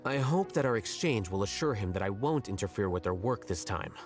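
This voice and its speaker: A man's voice: lowish voice, expressive, a little fast, husky. An actor playing a cool, blunt young male scholar who speaks in a detached, articulate way in an anime video game. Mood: aloof, analytical. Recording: background music under game dialogue.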